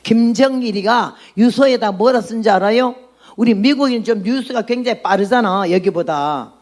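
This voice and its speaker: A woman's voice: a little high, moderate pace, darkish tone. A woman in her nineties, a missionary preacher, giving a blunt, outspoken sermon and testimony. She often laughs at her own remarks and throws questions at the congregation. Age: 90s.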